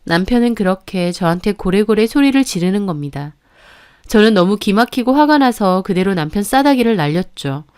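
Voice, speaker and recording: A woman's voice: medium pitch, lively intonation, moderate pace, a little mellow, clean tone. A woman narrating her own life story in the first person, in the earnest style of a radio story.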